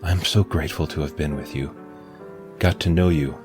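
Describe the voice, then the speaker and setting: A devoted robot companion with a very deep, soft and soothing voice, played by an actor in a radio play. He speaks tenderly over a music bed, always calm and gentle. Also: moderate pace. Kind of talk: golden-age style radio play acting. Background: music score.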